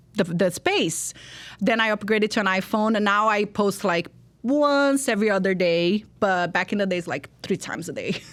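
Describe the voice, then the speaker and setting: A woman speaks at a moderate pace with a strong Brazilian accent. Her pitch is medium, with ordinary variation. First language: Portuguese. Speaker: social media influencer. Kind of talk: casual interview chat. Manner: animated.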